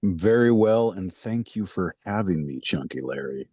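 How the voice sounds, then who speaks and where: A man with a husky, lowish voice makes calm, dry remarks as a podcast guest. He sounds a bit distant from the mic. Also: unhurried. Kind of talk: casual chat.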